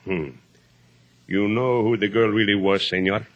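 An actor playing a courteous but menacing Cuban police inspector in a radio drama, speaking formally with a Cuban Spanish accent. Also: male voice, fairly low pitch, steady tone, lo-fi sound. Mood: coolly menacing. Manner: formal, deliberate, mock-polite. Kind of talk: 1950s radio drama acting.

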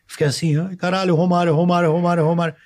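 A man's voice: high voice, little pitch movement, fast, a little mellow. A male comedian with a Brazilian Portuguese accent chatting casually, emphatic and full of slang and swearing. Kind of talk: casual chat.

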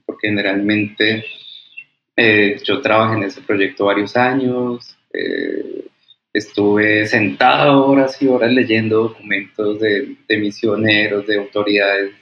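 A man, a historian and author, giving reflective interview answers with many fillers and restarts, often checking in with a quick question. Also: lowish voice, reverberant, dull audio.

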